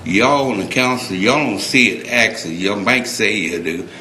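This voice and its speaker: Halting, earnest man in an echoey chamber. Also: lowish voice, lively intonation, bright, forceful tone. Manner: halting, earnest, many restarts. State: emotional. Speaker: public commenter at city council. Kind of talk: public comment, unscripted plea. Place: council chamber. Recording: echoey council chamber, faint noise.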